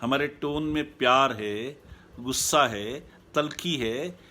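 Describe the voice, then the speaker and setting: A man speaking as a happiness coach in a live online talk, calm and measured, repeating his key points. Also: mid-range voice.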